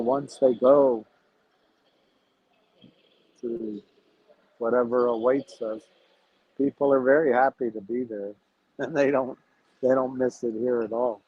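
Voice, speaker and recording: A man hosting a casual livestream about investing, talking to his viewers in a measured, reflective way as he thinks aloud. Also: medium pitch, slight background noise. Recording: tinny phone-like sound.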